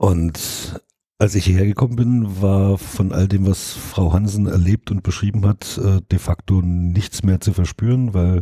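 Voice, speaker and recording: A man's very deep, low voice carries a dark, mellow tone, somewhat breathy, with fairly even intonation. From Saxony. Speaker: cultural association member. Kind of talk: interview. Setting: in a room at the venue.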